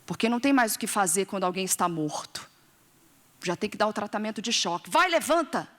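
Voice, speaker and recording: A woman's voice: medium pitch, quick pace, a bit bright, in a large hall. A woman with a Brazilian Portuguese accent preaching a sermon, questioning her audience and acting out voices.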